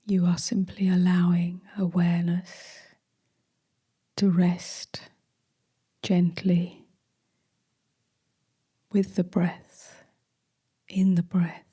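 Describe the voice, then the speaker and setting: A woman guides a meditation in a soft, very breathy voice. Her delivery is gentle and hushed, staying on a narrow, even pitch. She moves very slowly, leaving long pauses between short phrases. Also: no echo, studio quality. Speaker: meditation teacher.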